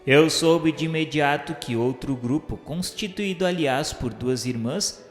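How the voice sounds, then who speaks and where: A man's voice: fairly high pitch, a little slow. A man reads a formal, reverent literary narration in a solemn scripted style. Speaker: narrator of a spiritist radio novela. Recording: echoey reverberant hall sound, music underneath. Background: music.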